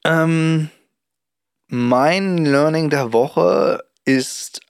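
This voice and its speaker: A man's voice: fairly high pitch, drawn-out words, smooth, dry recording, clean studio sound. A young man co-hosting a casual podcast, chatty and rambling, with lots of fillers and restarts. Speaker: podcast co-host. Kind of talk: casual chat.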